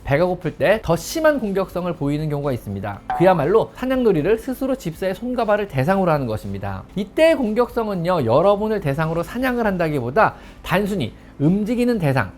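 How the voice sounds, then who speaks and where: Lively, fast-talking veterinarian host. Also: medium pitch. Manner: emphatic, stretches phrase endings with a drawn-out "요". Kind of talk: explanatory pet-care talk to camera.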